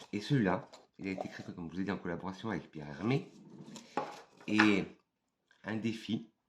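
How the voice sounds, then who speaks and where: With a very deep, low pitch, a man talks at a fairly quick pace and ordinary pitch variation, broken by long, frequent pauses. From France. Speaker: perfume YouTuber and perfume sales advisor. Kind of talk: casual video review. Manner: hesitant, with fillers.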